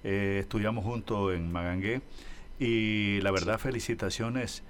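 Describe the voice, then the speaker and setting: A man's voice: lowish voice, steady tone, a little slow, a little hiss or hum. An older man, asking questions as a casual interviewer.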